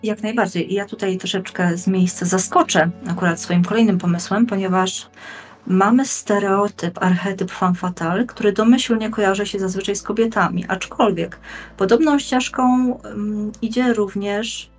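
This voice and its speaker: A young woman speaks in a mid-pitched voice with music behind her. She lays out her points in a measured, articulate way, with fairly formal wording, like a prepared guest on a discussion podcast. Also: slightly rough. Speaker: guest panelist on a role-playing games show. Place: indoors, plain room, video call.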